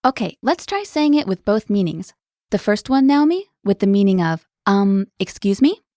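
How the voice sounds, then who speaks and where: A woman hosting a language lesson, explaining words clearly in an upbeat, scripted way. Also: mid-range voice, sing-song, normal speed, dark tone, no room sound, clean studio sound.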